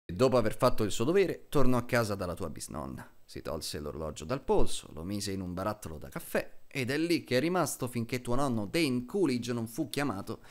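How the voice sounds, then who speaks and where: A man playing a solemn middle-aged military officer in a film dub, speaking to a child in a measured, deliberate way with dramatic pauses. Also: medium pitch, natural voice. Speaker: voice actor dubbing a film character.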